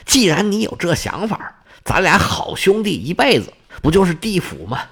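A man's voice: sits high, very animated, moderate pace, creaky, a bit bright, slightly rough, heavily acted. A man voicing an eager, loyal hero. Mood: coaxing.

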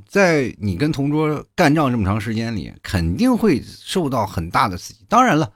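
Lively young man telling comic stories. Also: mid-range voice, dry recording, clean studio sound. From Inner Mongolia, China. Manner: chatty, animated, full of asides to listeners. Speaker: comedy podcast host. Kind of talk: comic storytelling monologue.

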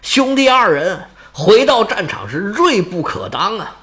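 A man retelling an epic as a lively, colloquial story, dramatic and playful, slipping into character voices. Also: high-pitched, a little slow.

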